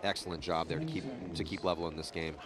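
A man giving live play-by-play sports commentary, lively on big plays. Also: low-pitched, fast, noisy background. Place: outdoor paintball field.

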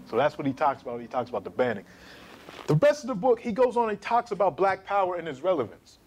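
A man in his thirties giving an emphatic, animated history lecture to camera in a small studio. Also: high-pitched, quick pace, breathy edge. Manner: animated, emphatic, gesturing while pacing.

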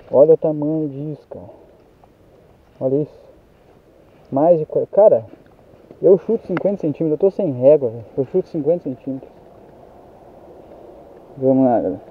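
A young man with a Brazilian Portuguese accent, out of breath, talking excitedly to viewers as he lands a fish on a riverbank. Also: mid-range voice, dull audio. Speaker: fishing vlogger. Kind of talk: excited outdoor fishing commentary. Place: outdoors on a riverbank. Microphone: handheld camera mic.

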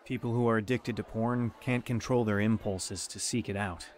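An actor playing a kindly, patient pastor in a Christian audio drama, speaking in a measured, reassuring way. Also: male voice, fairly low pitch, fairly even intonation, natural voice. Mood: earnest, explaining. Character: kindly male pastor, patient and gently counseling.

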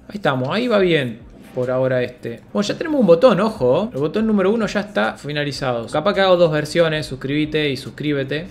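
A young man with an Argentine accent talking through an animation tutorial in a casual, slangy, think-aloud way. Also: on the high side. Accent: Argentine Spanish. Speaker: video editing tutor. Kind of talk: screen-recorded software tutorial.

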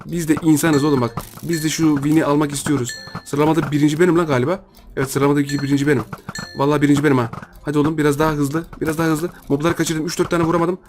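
A young man with a slightly high voice runs a casual let's-play, joking with his viewers and chattering over each move. He pleads with the game by repeating the same phrase again and again. Faint game music plays under his voice. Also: fairly even intonation, very fast, darkish tone. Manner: joking, playful, talks to viewers. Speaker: gaming channel host.

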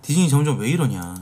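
A man's voice: fairly high pitch, a little mellow. A man streaming casual reaction commentary, blunt and swearing freely as he reacts to clips and reads posts aloud.

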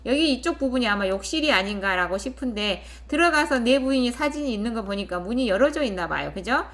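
A woman hosting a rural real-estate channel walks viewers through a property listing and its photos in a casual, conversational way, checking in with them often. Her voice is a little high and fairly bright, with lively intonation and a quick pace.

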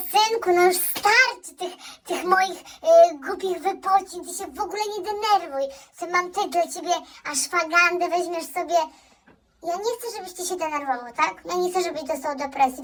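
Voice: very high voice, a bit bright, slight background noise, heavily acted. A performer playing a doting mother in a comedy sketch who apologizes and coos at her spoiled son. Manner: cooing, fawning, apologetic. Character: doting, fawning mother, apologetic and soft-spoken woman. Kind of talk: comedy sketch role-play.

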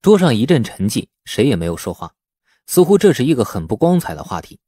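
A man's voice: mid-range voice, sing-song, brisk, dark tone, breathy edge, no echo, studio quality. A man reading a novel aloud as an audiobook narrator, in a dramatic storytelling style.

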